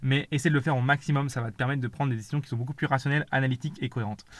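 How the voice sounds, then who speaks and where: A man speaks with a bright, sharp tone at a fairly high pitch. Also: very clean recording, silent background. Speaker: podcast host and 3D animation teacher. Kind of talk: solo podcast monologue. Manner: fast; casual, many hesitations.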